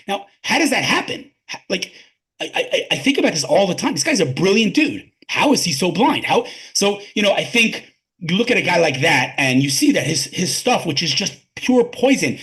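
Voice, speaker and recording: A man's voice: high-pitched, fairly bright tone, breathy edge. A man speaking emphatically as a guest on an interview podcast, often repeating words as he starts a sentence. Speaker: interview guest, tech advisor. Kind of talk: conversational interview.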